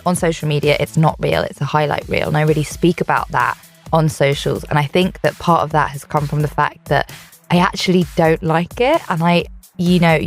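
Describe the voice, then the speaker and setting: A young woman singer from England talking candidly and chattily in a radio studio interview, laughing easily. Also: low-pitched. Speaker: singer guest.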